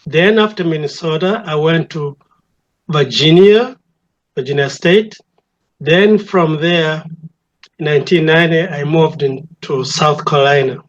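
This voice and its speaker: An older man with a Ugandan accent, a church elder speaking reflectively and deliberately as an interview guest, repeating phrases for emphasis. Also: fairly high pitch, muffled recording. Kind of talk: reflective conversation.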